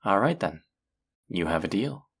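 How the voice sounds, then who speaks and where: A voice actor playing a flirty, possessive demon casino dealer in an intimate audio roleplay, teasing and taunting in a low, husky, breathy voice. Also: big pitch swings, a bit bright, heavily acted. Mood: flirty, eager. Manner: teasing, taunting, slow and drawn-out.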